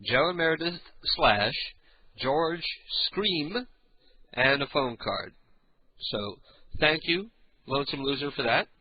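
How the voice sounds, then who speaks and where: An older man with a raspy, booming voice and clogged sinuses hosts a casual, profane late-night radio talk show. He rambles through stories and keeps clearing his throat. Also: lively intonation, slow, long pauses, dull audio.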